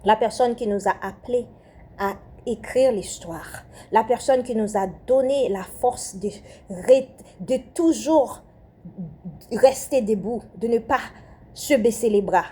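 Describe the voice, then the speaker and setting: Taking her time, a young Christian woman born in Haiti prays aloud fervently in a warm, fairly high voice with a French accent. The message is repetitive, full of hesitations and restarted sentences, and the recording is slightly rough.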